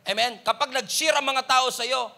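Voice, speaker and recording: A male pastor with a Filipino accent, preaching a sermon that mixes Tagalog and English, asking the congregation for an amen and crying out pleas loudly. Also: very high-pitched, normal speed, vocal fry.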